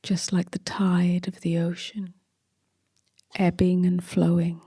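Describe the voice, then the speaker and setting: A woman guides a meditation in a soft, very breathy voice. Her delivery is gentle and hushed, staying on a narrow, even pitch. She moves very slowly, leaving long pauses between short phrases. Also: no echo, studio quality. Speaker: meditation teacher.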